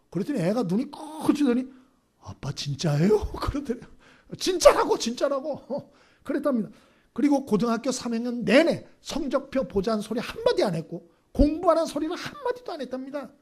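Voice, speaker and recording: A man's voice: high-pitched, darkish tone, breathy edge. A male pastor preaching a sermon in a church, telling stories and often checking in with the congregation.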